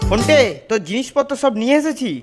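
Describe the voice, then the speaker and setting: A man's voice: very high voice, fast talker, music in the background. A man voicing an earnest, eager schoolboy sidekick in a children's cartoon. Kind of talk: Bengali children's cartoon voice acting.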